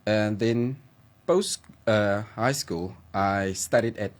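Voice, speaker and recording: A man's voice: fairly low pitch, slow pace. A South African man in his twenties, a guesthouse manager being interviewed on radio, chatty and hesitant with many fillers. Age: 20s.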